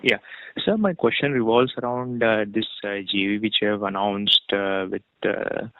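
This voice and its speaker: A man's voice: lowish voice, moderate pace, no echo. A man, a fund analyst, asks questions on an earnings call, politely and with many fillers. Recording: dry tinny phone line.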